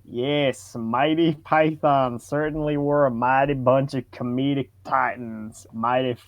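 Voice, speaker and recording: A man's voice: medium pitch, steady tone, slow, dull audio. A man reading social media posts for comedy and bantering as co-host, amused and mock-formal.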